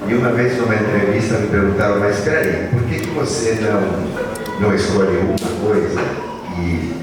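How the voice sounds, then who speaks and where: A man, telling his life story to students at a school event in an unhurried, reflective way. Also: on the low side, fairly even intonation. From Argentina. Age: 60s. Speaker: guest speaker. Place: large school hall. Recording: echoey hall from far off, with noise.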